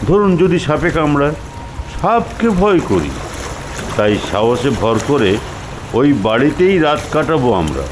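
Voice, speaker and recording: Older man reading a story, lively. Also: on the high side, reverberant, long reverb tail. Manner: expressive, unhurried reading with acted voices. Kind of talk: reading a ghost story aloud. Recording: background noise.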